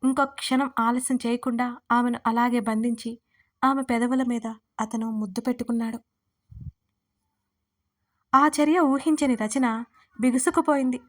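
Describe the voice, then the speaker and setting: A woman hosting and narrating a serialized audio story in a steady reading voice. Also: on the high side, normal speed, long pauses.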